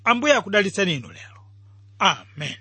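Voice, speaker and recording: A Malawian man delivers a scripted radio Bible teaching in a strikingly high voice. The tone is bright and forceful yet husky, and the sound is dry and close. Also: big pitch swings, fast, dry recording, faint music behind.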